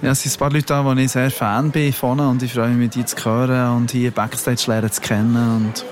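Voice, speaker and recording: A man's voice: medium pitch, level tone, fairly quick, over music. A man singer from the Oberland, searching for his words in a backstage interview. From Bernese Oberland, Switzerland. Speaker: singer and musician.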